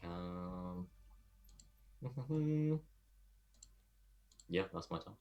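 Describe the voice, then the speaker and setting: Slow low-voiced man playing a game. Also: expressive, mellow, dull audio. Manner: hesitant, filler-heavy. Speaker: player. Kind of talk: casual game talk.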